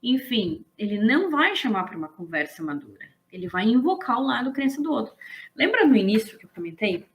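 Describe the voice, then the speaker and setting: A woman teaching in a casual, lively and blunt way, often slipping into acted quotes. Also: on the high side, fairly quick. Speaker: business coach. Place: indoors, streaming to an online audience.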